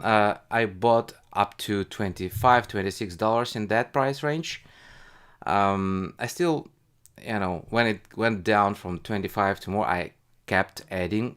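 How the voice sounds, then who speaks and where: Low-pitched man, halting casual livestream talk. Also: a bit bright, clear, resonant tone. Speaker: livestream host, retail investor. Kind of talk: casual live stream commentary.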